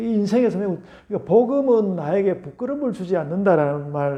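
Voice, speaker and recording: The voice has a dark, mellow tone and lively intonation, with audible room echo. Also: man. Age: 60s. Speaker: pastor. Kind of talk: sermon. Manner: repetitive, halting with self-corrections.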